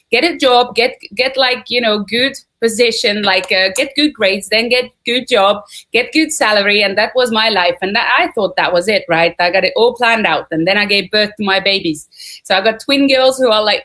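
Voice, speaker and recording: Estonian woman in her thirties, high voice, chatty live webinar host who greets viewers by name and country. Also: fairly bright tone. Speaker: presenter of an online business webinar. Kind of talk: upbeat live webinar presentation.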